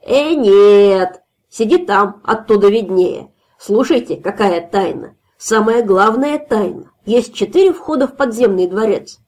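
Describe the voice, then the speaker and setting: Drunk boastful male guard voiced by a woman, slurred taunts, gravelly, husky, audiobook fairy tale. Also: a little high, animated, moderate pace, hardly any pauses, darkish tone. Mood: loud swaggering.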